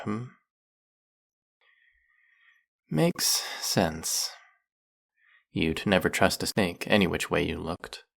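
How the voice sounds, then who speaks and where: A man voices a smooth-talking, snake-headed villain who works as a hypnotist, his manner silky, coaxing, soft-spoken and purring. The voice is very low with a husky, gravelly grain, and he lingers over every word in a heavily acted audio roleplay.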